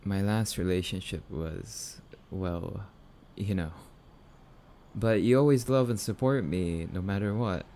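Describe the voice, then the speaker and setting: A man's voice: sits low, measured pace, dark tone, slight background noise. A young man playing a jumpy, bashful catboy boyfriend in an ASMR roleplay, stammering and hesitant, bratty but sweet. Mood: soft, tender.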